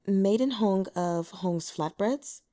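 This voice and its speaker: A woman voicing a frail, sickly male abbot who speaks coolly and softly in a storybook reading. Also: medium pitch, slow pace, close to an everyday voice. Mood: inquiring.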